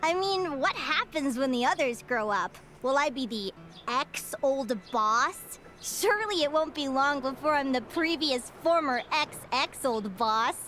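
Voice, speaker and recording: A woman's voice: high-pitched, animated, a little slow, pushed and bright, faint music behind, full character voice. A woman voicing a young female bird fae in a video game, curious, bookish and cheerful, speaking in an articulate, eager and often wistful way.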